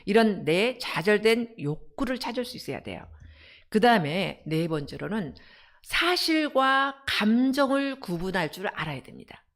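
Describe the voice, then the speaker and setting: A middle-aged woman, a counseling center director, giving an animated parenting lecture and asking her audience rhetorical questions. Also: medium pitch, measured pace. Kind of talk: parenting lecture on a live broadcast.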